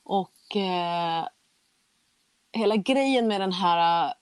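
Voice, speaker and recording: A woman's voice: mid-range voice, clean tone, no echo. A young adult woman tells a personal story in a candid, chatty way and acts out the conversations she recounts. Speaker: guest telling her story.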